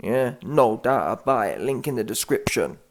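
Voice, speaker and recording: A man's voice: mid-range voice, lively intonation, moderate pace, a little hiss or hum. Mocking man with slangy banter. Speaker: YouTube host. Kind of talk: comedic reaction commentary.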